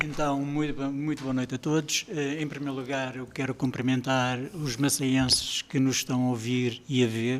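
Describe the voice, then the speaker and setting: Over noticeable background noise, a man at medium pitch speaks at a moderate pace in a monotone, flat intonation with hardly any pauses. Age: 60s. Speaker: school principal, mayoral candidate. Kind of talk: political debate opening statement. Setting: studio.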